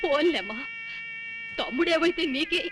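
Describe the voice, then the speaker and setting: A woman's voice: high voice, expressive, moderate pace, music in the background. An actress playing a sickly old mother who is hard of hearing and talks fussily and affectionately. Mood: tender. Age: older. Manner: fussy, pleading, affectionate. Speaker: actress in a film comedy scene.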